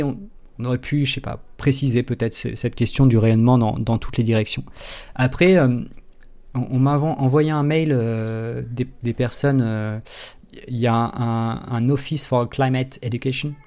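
A man giving a live-streamed science explanation, halting and restarting often, with an informal, self-mocking manner. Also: medium pitch, a little mellow. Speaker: science educator.

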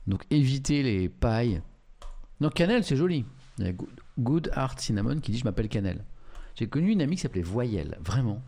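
A man's voice: mid-range voice, sing-song, fairly quick, warm tone. A man, streaming live and reading out and reacting to viewer chat in a chatty, amused way.

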